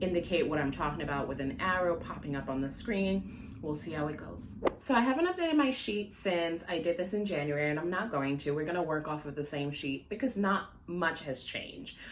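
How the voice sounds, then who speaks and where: A woman with a fairly low voice and lively intonation talks at a fairly quick pace with hardly any pauses. Audible room echo and noticeable background noise accompany her. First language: Jamaican Patois. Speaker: personal finance vlogger. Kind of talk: casual vlog talk. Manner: hesitant, many fillers.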